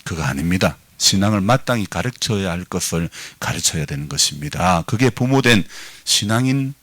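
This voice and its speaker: A man's voice: deep voice, a bit bright, no room sound. A middle-aged man with a Gyeongsang Korean accent preaching a Sunday sermon, calling for amens and explaining dialect words to his congregation. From Gyeongsang province, Korea. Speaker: pastor. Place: church sanctuary.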